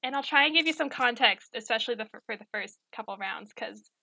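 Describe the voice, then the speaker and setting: Bright, creaky-voiced woman quizmaster. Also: a little high, fast talker, dry recording, low-quality recording. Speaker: story editor acting as trivia quizmaster. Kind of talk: casual, unscripted quiz hosting. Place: indoors on an online video call.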